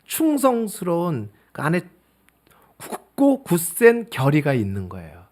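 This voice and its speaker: A middle-aged male pastor preaching a sermon, swinging between loud emphasis and soft, near-whispered asides. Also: on the high side, huge pitch swings, unhurried.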